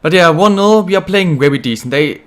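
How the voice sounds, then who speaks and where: A man's voice: fairly high pitch, a little fast. Slightly ill young man commentating gameplay. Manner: chatty, excitable at goals. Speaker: gaming channel host.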